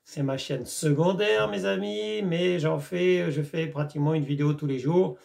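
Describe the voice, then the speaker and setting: A man with a somewhat high, gravelly voice talks casually to his viewers about a film. He rambles, hesitates often and keeps coming back to his friendly asides. The delivery is plain and unscripted. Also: moderate pace, darkish tone. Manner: rambling, many hesitations, repeats "mes amis". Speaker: YouTube film reviewer. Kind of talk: casual chat to camera.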